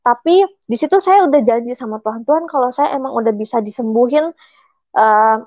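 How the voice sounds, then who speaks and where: A young woman shares her personal testimony, halting and emotional, pausing often with fillers. Her voice sits fairly high. The recording is dry and a little dull. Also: no room sound. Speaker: testimony giver.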